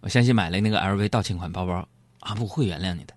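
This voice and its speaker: A man's voice: low voice, rapid-fire, no echo. A man hosting a radio show, telling jokes and teasing his listeners, laughing often. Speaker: radio host. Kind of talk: comedic radio monologue.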